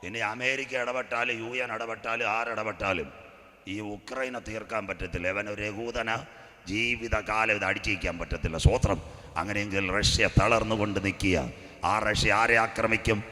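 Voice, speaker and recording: Fiery preacher in a reverberant hall. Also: male voice, lowish voice, fairly even intonation, normal speed. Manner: storytelling preacher, acts out characters, rises to shouting. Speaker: pastor. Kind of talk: sermon. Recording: echoey hall with long reverb.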